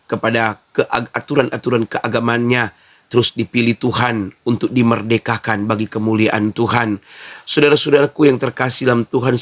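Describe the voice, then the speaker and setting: A man hosting a Christian program, speaking to viewers in a formal, devout, preacherly introduction. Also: mid-range voice.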